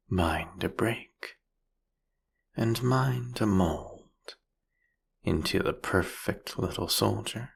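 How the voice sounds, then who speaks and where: A man playing a seductive, possessive vampire king in an intimate audio roleplay, with a taunting, menacing, whispery delivery. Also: exaggerated voice. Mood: possessive menace. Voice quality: husky, breathy, gravelly low voice.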